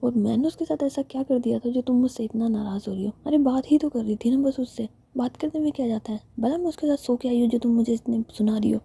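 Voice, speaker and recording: A woman whispering the part of a carefree young woman student who coaxes her upset girlfriend, in a husky voice. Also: on the high side, quick pace, few pauses, mellow, pitched above the performer's own voice, exaggerated voice. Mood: defiant. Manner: coaxing, whispered.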